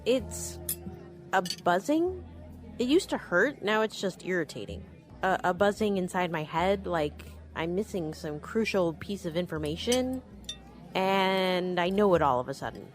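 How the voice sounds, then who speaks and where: An actress playing a modest, uneasy psychic in an audio drama, speaking hesitantly. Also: female voice, on the low side, lively intonation, measured pace, soft background music. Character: modest, uneasy female psychic police helper.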